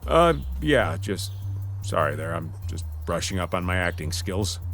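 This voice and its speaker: Man playing a melodramatic, exasperated announcer, wildly swooping pitch. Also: very animated, fairly bright tone, full character voice. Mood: sheepish. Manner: theatrical, drawn-out emphatic delivery. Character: exasperated, beleaguered male announcer, melodramatic and fed up. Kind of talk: comic audio drama acting.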